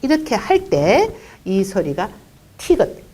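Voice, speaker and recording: In a classroom-style lecture on English pronunciation, a woman explains things unhurriedly, with many "uh" fillers, quietly voicing single consonant sounds. Her pitch is medium but swoops wildly, and she takes it slowly.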